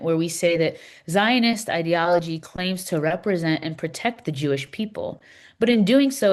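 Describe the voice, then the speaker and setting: A woman playing an earnest, welcoming Palestinian Christian discussion leader in a readers theater dialogue, speaking in a measured, explanatory way. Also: medium pitch, close to an everyday voice.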